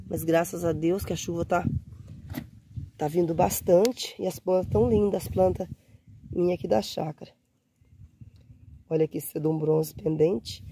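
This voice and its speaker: Holding her phone camera at arm's length, a woman in her forties who vlogs about gardening talks casually to the lens outside in a breezy garden. Her voice is lowish and slightly hoarse from a cold, and her warm, chatty manner is full of diminutives and the word "gente." A faint wind can be heard.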